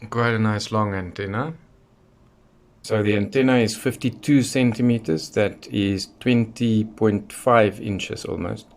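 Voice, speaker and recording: A man giving a casual, unscripted product review in a measured, matter-of-fact way with pauses between short phrases. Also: lowish voice, steady tone, gravelly. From South Africa. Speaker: radio hobbyist presenter.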